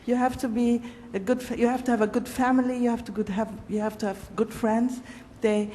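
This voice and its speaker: A woman's voice: a little high, steady tone, a little fast, mellow. A middle-aged woman speaking earnestly on a conference panel, restarting words as she goes. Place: large conference hall stage. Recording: long hall reverb, faint noise.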